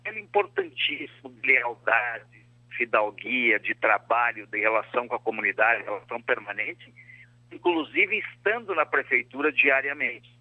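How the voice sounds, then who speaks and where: Um homem, ex-prefeito, dá entrevista por um telefone chiado que corta o tempo todo, falando de modo formal e pausado, com muitas hesitações. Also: male voice, medium pitch, big pitch swings, no room sound. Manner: formal and measured, with frequent hesitations. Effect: crackly phone line that keeps cutting out. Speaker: former mayor, interview guest. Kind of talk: phone interview on a radio show. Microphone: telephone. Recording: dull, dry phone line.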